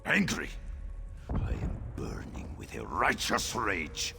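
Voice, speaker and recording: An actor playing a proud, menacing tribal warrior in a video game, theatrical and sneering, with a deep gravelly voice. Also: male voice, huge pitch swings, full character voice. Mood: vengeful anger. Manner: theatrical, slow, sneering threats. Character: fanatical male Winterborn tribal warrior, menacing, proud, contemptuous. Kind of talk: video game character acting. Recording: music behind the voice.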